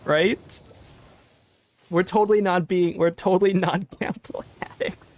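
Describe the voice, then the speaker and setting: A young man streaming a video game, chatting casually with his viewers, often laughing and getting loudly excited. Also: sits high, a little slow. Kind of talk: casual gaming livestream chat. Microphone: desk mic with limiter filter.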